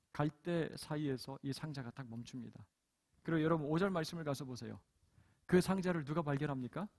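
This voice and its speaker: A man's voice: mid-range voice, a little mellow. A male pastor preaching a Sunday sermon, retelling a Bible story dramatically and acting out the voices. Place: church.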